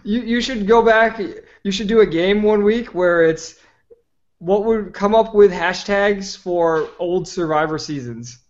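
A man's voice: high-pitched, measured pace. A man talking as a guest on a casual podcast, opinionated and long-winded, full of "like"s. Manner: opinionated, talks at length with many "like"s. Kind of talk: casual chat. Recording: slightly dull lo-fi audio.

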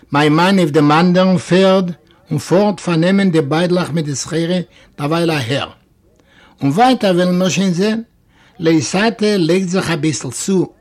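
A man narrating a classic story in a lively, expressive reading. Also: sits high.

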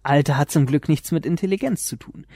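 An actor playing a polite, clever young detective. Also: male voice, a little high, brisk, warm tone, lightly acted. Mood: confident. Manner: polite, self-assured. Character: calm, clever teenage boy detective. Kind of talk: German radio drama acting.

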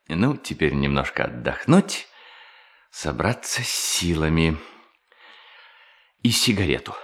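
An actor playing a nervous, scheming bank cashier in a radio play, shifting between polite talk and urgent private muttering. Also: male voice, low voice, heavily acted. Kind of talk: radio play acting with inner monologue.

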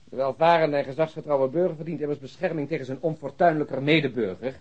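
Sardonic, husky police detective. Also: male voice, on the high side, quick pace, darkish tone. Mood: mocking, bitter. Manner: sardonic, long-winded monologue, mock politeness. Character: cynical, ranting, sarcastic male police detective colleague. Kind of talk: radio play acting. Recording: muffled, dull radio play recording.

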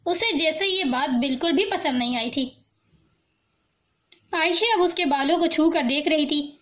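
High-voiced woman narrating a novel. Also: fairly bright tone. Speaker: audiobook narrator.

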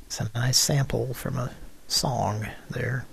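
Slow, rambling jokey male host. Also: medium pitch, steady tone, creaky, heavy background noise. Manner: rambling, jokey, laughs often. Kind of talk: casual chat on a prank-call show.

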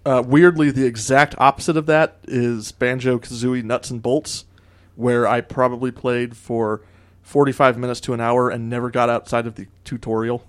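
A man's voice: mid-range voice, little pitch movement, moderate pace. A man co-hosting a gaming podcast, joking and self-deprecating in casual chat. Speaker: podcast co-host.

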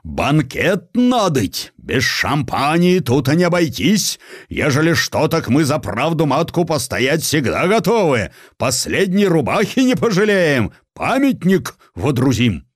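A man voicing a boastful, folksy provincial Russian merchant in a dramatized audiobook, with a loud swaggering manner. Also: a little high, big pitch swings, measured pace, slightly rough, no echo, studio quality, voice pushed up, full character voice. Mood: rowdy bravado.

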